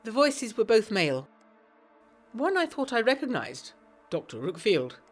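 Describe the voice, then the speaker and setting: A woman's voice: on the high side, sing-song, unhurried, soft background music. A woman playing an eager, self-pleased 1920s lady narrating a gothic audio drama in genteel, bookish diction. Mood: tense.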